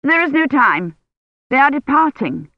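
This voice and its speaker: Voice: high-pitched, sing-song, measured pace, no room sound, voice pushed up, full character voice. A bossy old noblewoman barks orders in a raised, cutting voice, as an audiobook reader puts her on. She presses and insists, never letting a point go. The recording is dry and a little dull. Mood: commanding. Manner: sharp, commanding, insistent. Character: imperious complaining old noblewoman.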